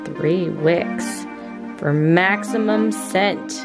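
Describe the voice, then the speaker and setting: A woman's voice: on the low side, extremely slow, over loud music. A middle-aged woman co-hosting a casual vlog, talking to camera in an upbeat, bubbly way and laughing often. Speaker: co-host. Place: indoor home studio set.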